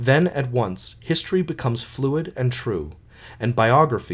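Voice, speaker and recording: Somewhat breathy man with lively intonation at a moderate pace. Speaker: audiobook narrator. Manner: even, contemplative cadence with long, weighty sentences.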